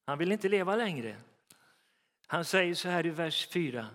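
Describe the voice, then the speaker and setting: A man preaching a sermon in a fervent manner, rising to loud exclamations. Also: sits high, animated. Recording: reverberant hall.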